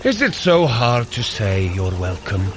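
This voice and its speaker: An actor playing a hearty, commanding Norse thunder god in an audio adventure drama, declaiming in old-fashioned heroic speech. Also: male voice, on the low side, very animated, a little slow, a bit bright. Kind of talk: audio adventure drama acting for a fitness running app.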